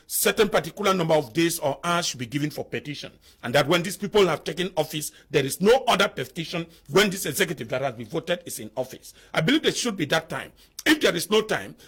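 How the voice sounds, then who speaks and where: A man's voice: high-pitched, gravelly, a bit bright, breathy edge. A man, a panel guest arguing a point in a heated debate with pressing rhetorical questions.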